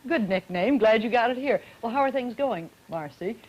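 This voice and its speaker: A woman moderating a student forum on an old broadcast, asking poised, brisk questions. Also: a little high, expressive, a little mellow, slight background noise. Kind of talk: scripted archival broadcast moderation. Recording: dull old archival broadcast audio.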